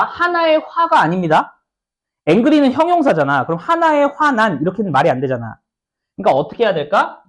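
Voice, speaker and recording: A man teaching a high school English lesson, speaking informally and animatedly and asking his students questions as he goes. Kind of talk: lecture explaining a textbook passage.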